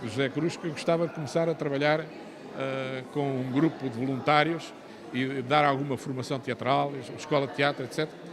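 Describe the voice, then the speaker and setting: A man's voice: mid-range voice, steady tone. An older man with a European Portuguese accent, an author talking in an interview with many hesitations and restarts. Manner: halting, many fillers and restarts. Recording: outdoor crowd chatter behind.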